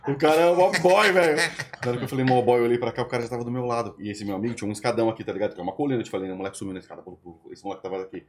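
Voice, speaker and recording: A man who is a podcast guest and former radio host, telling a lively, slangy anecdote in casual chat. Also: lowish voice, very fast, hardly any pauses, slight background noise.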